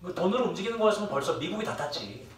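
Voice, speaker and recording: A man's voice: sits high, very animated, racing, slight background noise. A young man teaching a class, who rambles, jokes with his students and swears freely. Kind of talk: classroom lecture. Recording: echoey room, distant mic, faint ambience.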